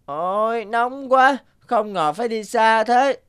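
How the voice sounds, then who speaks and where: A woman voicing a timid, defeatist white goat in an animated fable, whining and complaining. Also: on the high side, takes it slowly, clean tone. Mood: weary. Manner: whiny, complaining.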